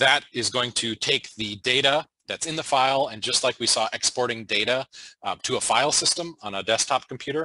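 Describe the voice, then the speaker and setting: A man's bright, sharp voice at a fairly quick pace, with ordinary pitch variation and a dry sound with no echo, over a quiet background. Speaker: software trainer. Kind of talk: tutorial. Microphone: headset.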